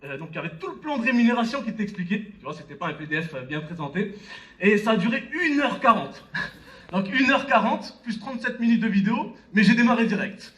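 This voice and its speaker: A man's voice: high voice, animated, fast, fairly bright tone, lo-fi sound. A man in his early twenties giving a motivational stage talk, addressing the audience directly and often checking in with them. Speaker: motivational speaker at a network marketing conference. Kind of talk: motivational stage speech with personal anecdotes. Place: on stage in a conference hall. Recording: live stage talk, distant from mic.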